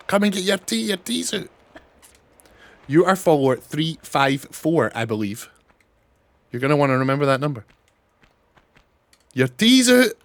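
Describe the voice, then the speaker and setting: A young man from Scotland with a mild Scottish accent, chatting excitably through a casual game stream, thanking followers and swearing now and then. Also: on the high side. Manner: chatty and excitable, swears, reads out chat names. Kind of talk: casual live-stream gameplay chat.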